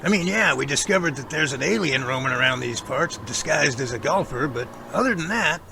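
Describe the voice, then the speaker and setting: Man acting earnest professorial investigator, audio drama, slightly high pitch, gravelly, measured explanations, faint background noise. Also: animated, pushed and bright, heavily acted. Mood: earnest, reassuring. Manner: measured, explanatory, speech-making. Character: earnest, self-assured male Bigfoot investigator, professorial. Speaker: actor in a Sasquatch audio drama. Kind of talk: amateur audio drama dialogue.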